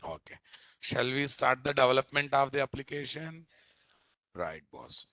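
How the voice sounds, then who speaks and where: In a live programming class, a Telugu-accented software instructor speaks emphatically, repeats phrases, and often quizzes listeners with short tag questions. His medium-pitched voice is sing-song and fairly bright, at a moderate pace, with no echo.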